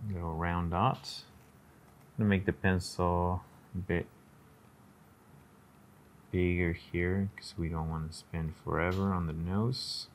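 A man's voice: sits low, little pitch movement, takes it slowly, pauses often, slight background noise. A man casually narrating his drawing steps on a live stream, talking through each step and greeting viewers in chat.

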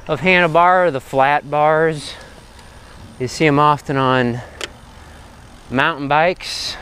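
Out on his bicycle in the suburbs, a male vlogger with a somewhat high, slightly bright voice rambles hesitantly in casual, off-the-cuff talk while pedalling. A body-mounted action cam captures it, along with faint road and vehicle noise.

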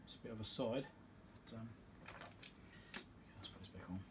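A man's voice: fairly low pitch, normal speed, noisy background. A man giving a casual, hesitant workbench demonstration, rambling in an understated way in a home workshop. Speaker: electronics repair video host. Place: home electronics workshop, indoors.

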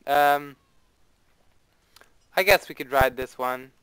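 This let's play host, a young man with a medium-pitched and fairly bright voice, narrates his own gameplay slowly. His commentary is casual, rambling, and playfully dramatic. The desktop mic recording is rough, with faint background noise.

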